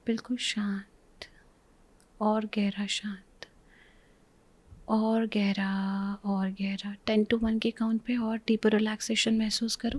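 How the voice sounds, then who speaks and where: A woman with an Indian accent leads a guided relaxation in a soothing, repetitive, reassuring way, with a breathy voice that often drops to a whisper. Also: medium pitch, darkish tone. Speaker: spiritual healer leading a guided relaxation. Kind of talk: guided meditation, hypnotic instruction.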